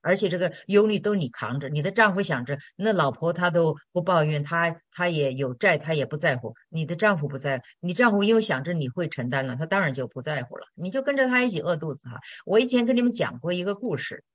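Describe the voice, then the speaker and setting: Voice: mid-range voice, expressive, fast, few pauses, fairly bright tone, no room sound. Blunt Christian teacher answering questions, plain everyday chat, dry close sound. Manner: direct, blunt, colloquial with tag questions. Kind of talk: sermon-style Q&A.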